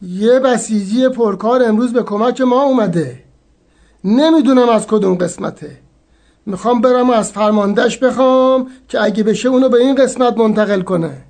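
An actor playing a brusque older male warehouse boss in a radio drama, talking quick and loud. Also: very high-pitched, gravelly. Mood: chatty.

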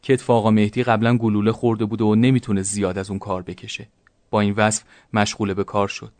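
Flat-voiced male narrator. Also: fairly low pitch, dry recording. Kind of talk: scripted narration.

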